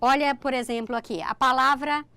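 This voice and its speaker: Step by step, a middle-aged Brazilian woman walks through a recorded online grammar lesson, her Brazilian Portuguese accent clear and her constant "ok?" checking in with listeners. She speaks high, with fairly even intonation and a moderate pace, in a pushed, bright voice that sounds smooth and echo-free.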